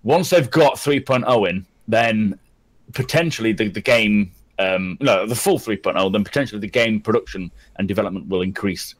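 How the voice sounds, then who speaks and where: A man's voice: fairly low pitch, moderate pace. A man talking casually as a panellist on a gaming podcast. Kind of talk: casual panel discussion about a video game.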